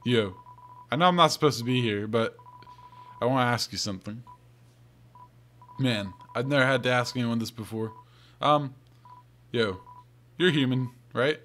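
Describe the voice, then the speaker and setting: A man voicing a clumsy, excitable young monster in a video game, hesitant and slangy, stammering as he goes. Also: medium pitch, moderate pace, long pauses, slight background noise, close to an everyday voice. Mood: nervous, awkward. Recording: game music behind the voice.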